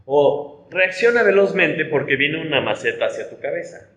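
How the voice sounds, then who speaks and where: A man's voice: on the high side, lively intonation, normal speed, a bit bright, roomy sound, a little hiss or hum, poor audio. A man from Mexico with a Mexican Spanish accent, a pastor teaching a conversational Bible study, explaining with rhetorical tags and frequent restarts.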